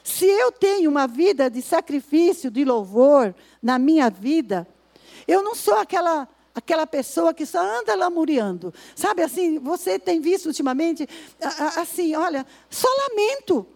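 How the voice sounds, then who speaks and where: A woman preaching a sermon at a women's service, reading scripture slowly and with emphasis and acting out complaining voices in asides. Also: sits high, expressive, vocal fry, darkish tone.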